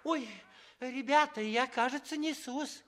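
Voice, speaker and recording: A man's voice: very high-pitched, unhurried, fairly bright tone. A man playing a naive, fussy, childish commedia clown who stutters and minces, in broad comic stage style on a 1960s theatre radio recording. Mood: fussy eagerness. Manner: stuttering, clucking on stuck syllables, mincing.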